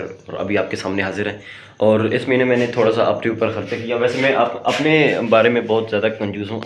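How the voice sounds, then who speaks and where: Man, hoarse throat, low voice, rambling vlog chat, faint background hiss. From Pakistan. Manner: chatty, rambling, with many fillers and restarts. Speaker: vlogger. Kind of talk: casual vlog talk to camera.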